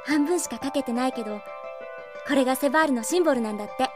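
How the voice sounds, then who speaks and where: A woman playing a feisty young girl who runs her late father's shop, in an animated radio drama style. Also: high-pitched, racing, music in the background, lightly acted. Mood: wistful, determined. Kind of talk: Japanese anime-style audio drama acting.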